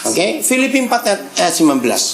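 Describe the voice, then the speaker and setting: A woman's voice: mid-range voice, sing-song, fast talker, a crowd in the background. A woman preaching a sermon to a live congregation, teasing and acting out family quarrels with a laugh in her voice. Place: church hall with congregation. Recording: echoey hall with audience responding. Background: congregation answering.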